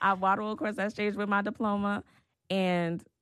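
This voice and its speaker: A plain, everyday voice speaks at a moderate pace against a quiet background. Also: woman. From US, child of Ghanaian and Nigerian immigrants. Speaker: event planner and fashion and mommy blogger. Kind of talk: casual chat.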